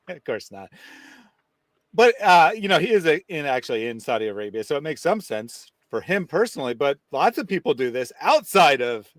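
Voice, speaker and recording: A man co-hosting a commentary show explains his points in a dry, measured way. His voice sits a little high and rises and falls a lot. The room sounds dry and close. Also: sing-song, a bit bright, no room sound. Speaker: co-host. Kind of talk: critical commentary chat.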